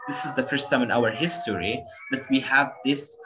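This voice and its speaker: A man's voice: medium pitch, moderate pace, music in the background. A man in his twenties from Gaza, Palestine, giving earnest personal testimony in an interview, filling his speech with "like" and "you know". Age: 20s. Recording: slightly dull audio with clear background noise.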